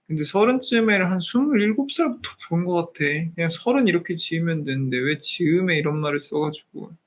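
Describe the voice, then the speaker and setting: 편하게 수다 떠는 약간 높은 목소리의 30세 남자. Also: male voice, a little high, quick pace. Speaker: live-stream host. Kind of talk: casual live-stream chat with viewers.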